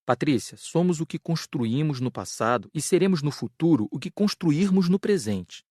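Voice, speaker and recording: A man's voice: on the high side, expressive, moderate pace, dark tone, no echo, clean studio sound. A man playing a wise, patient spirit mentor in an audiobook, explaining things in a didactic, frank way. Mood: patient, instructive. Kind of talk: dramatized audiobook dialogue.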